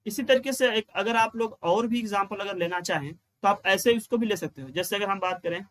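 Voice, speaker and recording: A man's voice: high-pitched, fairly bright tone. A male teacher giving an exam-prep grammar lesson, explaining step by step, repeating key lines and asking questions he answers himself. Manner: chants rules in a slow sing-song.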